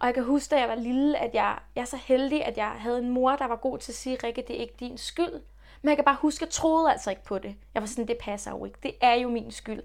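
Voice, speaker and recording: Her pitch is high for a woman and her pace is very fast. The loudness swings widely from moment to moment. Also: ordinary pitch variation. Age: 20s. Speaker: podcast host. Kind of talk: casual chat.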